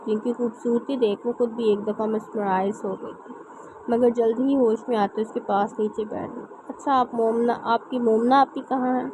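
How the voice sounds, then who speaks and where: Woman reading a novel aloud over hiss. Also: fairly high pitch. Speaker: novel reader.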